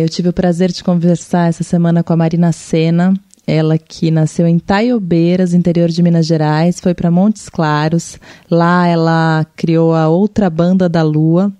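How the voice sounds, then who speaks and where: A woman's voice: low-pitched, warm tone, no echo. Woman hosting a radio interview. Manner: chatty, asks short questions and tells anecdotes. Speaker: interviewer and host.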